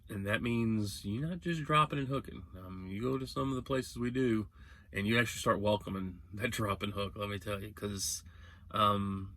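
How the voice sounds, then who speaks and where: A man's voice: fairly low pitch, a bit bright. Rambling, earnest male trucker. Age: young adult. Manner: rambling, self-correcting, earnest advice. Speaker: truck driver vlogger. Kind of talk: casual vlog monologue.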